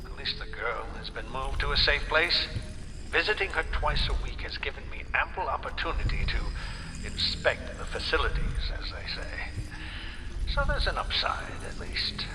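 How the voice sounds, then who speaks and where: An actor playing a scheming, corrupt high cleric in a video game, pompous and sardonic. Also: male voice, big pitch swings, normal speed, background noise, lightly acted. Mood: smug, leering. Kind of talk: video game villain monologue. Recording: long reverb under clear music.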